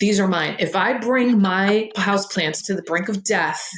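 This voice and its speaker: A woman speaks over noticeable background noise. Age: 60s. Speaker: boundaries coach. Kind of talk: casual chat. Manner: animated.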